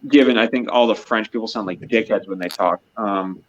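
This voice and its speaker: A man's voice: lowish voice, a little fast, muffled recording. An American man in casual chat, blunt and profane, often restarting his sentences. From United States. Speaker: guest.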